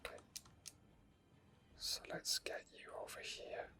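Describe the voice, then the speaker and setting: The clip features a man's whispered ASMR game commentary: soft, rambling, unhurried musings spoken over his own gameplay as the video's host.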